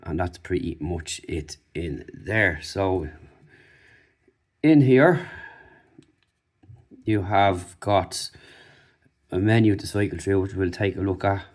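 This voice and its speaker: Low-voiced man doing a casual product review. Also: slow pace, long pauses. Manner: informal, off-the-cuff demonstrating. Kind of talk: casual unboxing and review commentary.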